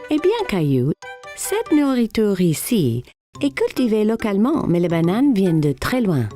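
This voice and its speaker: A woman's voice: medium pitch, big pitch swings, a little slow, dark tone, faint music behind. A woman voicing a patient, encouraging mother who explains things simply in a French-dubbed children's cartoon. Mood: explaining.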